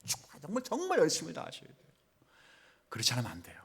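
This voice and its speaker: A male pastor preaches in a church with a high, very animated voice. He questions his congregation directly and moves between forceful declarations and near-whispers. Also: fast talker, slightly rough. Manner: swings from loud exclamations to near-whispers, asks the congregation questions. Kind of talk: sermon. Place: church sanctuary.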